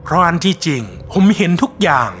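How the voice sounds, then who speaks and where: A man telling a scripted ghost story in a measured, somber first-person voice. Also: a little high, expressive. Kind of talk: scripted horror narration. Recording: long reverb with soft music behind.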